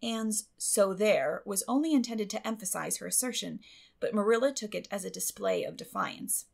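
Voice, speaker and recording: A woman's voice: mid-range voice, sing-song, fairly quick, vocal fry, darkish tone. A woman reading scripted classic fiction as an audiobook narrator.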